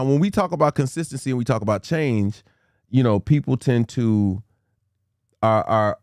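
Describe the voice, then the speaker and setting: A man hosting a casual livestream talk show, playful and chatty with his guest and viewers, now and then breaking into a quick rhyme. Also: mid-range voice, darkish tone, no room sound, studio quality. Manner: playful, hypes the audience, drops into quick freestyle rhymes. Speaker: livestream host.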